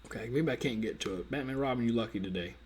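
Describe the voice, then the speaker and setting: Speaking straight to his audience through a computer mic, a man hosts a casual livestream as a dating coach, responding to viewer comments. His middle-pitched voice is fast with a breathy edge, and he plays around, teases, jokes and uses loose slang.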